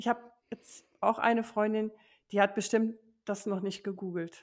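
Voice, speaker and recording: Flat, monotone delivery from a woman of medium pitch. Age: 50s. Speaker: flight attendant and sobriety coach. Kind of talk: interview.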